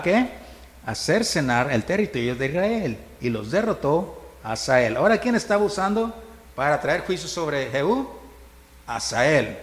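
A man preaching a conversational sermon, often asking "right?" and chuckling. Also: fairly high pitch. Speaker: pastor. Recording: reverberant hall, faint noise.

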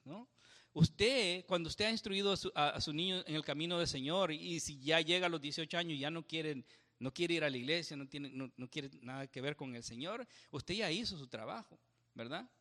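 Brief: male pastor, fairly high and bright, teaching a casual Bible study in a reverberant church hall. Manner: conversational, asks the congregation questions with frequent tag "¿verdad?"; laughs at his own slips.

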